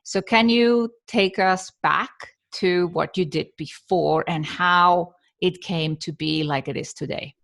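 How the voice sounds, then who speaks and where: A woman's voice: lowish voice, slow, gravelly, few pauses, a bit bright. A middle-aged woman from Iceland hosting a podcast interview in a friendly, conversational way. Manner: friendly, conversational, laughs easily. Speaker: podcast host. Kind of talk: casual interview chat.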